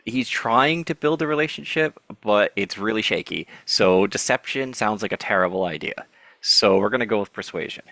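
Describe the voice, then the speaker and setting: A man playing a tabletop game, thinking aloud with halting restarts. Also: lowish voice, vocal fry, pushed and bright, no echo. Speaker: player. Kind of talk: casual tabletop role-play.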